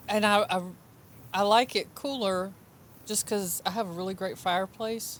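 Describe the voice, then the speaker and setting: Speaking with a Southern US accent, a woman holds a medium pitch and fairly even intonation. Her pace is moderate, with long, frequent pauses. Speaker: podcast host. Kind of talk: casual interview.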